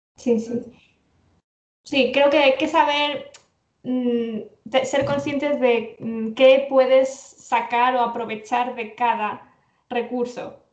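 A woman speaks in a high pitch at a very slow pace, leaving long, frequent pauses. Her intonation is monotone and flat. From Salamanca, Spain. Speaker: Spanish teacher. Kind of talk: casual interview.

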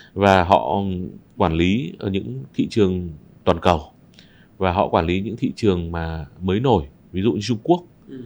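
A man with a very deep, low pitch and vocal fry speaks at a fairly slow pace. He leaves long, frequent pauses, with ordinary pitch variation. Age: 50s. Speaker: business leader and university executive.

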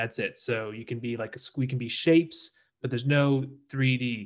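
This is a man with an ordinary speaking voice at medium pitch. He talks at a fairly slow pace with fairly even intonation. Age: 20s. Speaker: improv comedian. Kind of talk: casual chat. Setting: video call.

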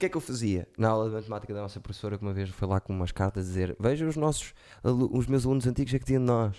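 This man has a medium pitch and a dark, mellow tone, talking very fast on a very clean recording with a silent background. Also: ordinary pitch variation. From Portugal, Guarda. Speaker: comedian. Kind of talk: casual chat.

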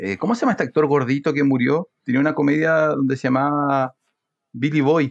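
Captured with a dry, close sound and no echo, an ordinary speaking voice moves at a fairly quick pace with ordinary pitch variation. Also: man, fairly high pitch for a man. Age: 30s. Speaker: podcast co-host. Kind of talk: casual chat.

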